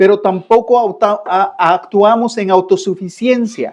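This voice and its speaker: A man's voice, high in pitch with a dark, mellow tone, moves at a fairly slow pace. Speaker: Sunday school teacher. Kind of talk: Bible teaching.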